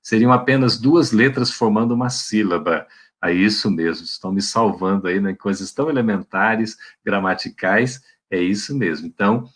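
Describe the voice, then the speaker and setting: A man giving a devotional spiritist talk to an online audience in a colloquial preaching manner, often adding tag questions. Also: fairly low pitch. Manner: warm, colloquial preaching with frequent "né?" tags. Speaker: spiritist lecturer. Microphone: video call.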